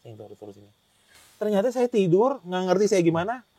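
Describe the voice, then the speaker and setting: A man tells his story in a casual interview, often restarting sentences and acting out what others said. His voice sits a little high and sounds husky. The recording is dry, with no room sound. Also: sing-song, fairly quick, dark tone, dry recording. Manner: rambling, with many restarts and acted-out quotes. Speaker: hiker telling his experience as a guest.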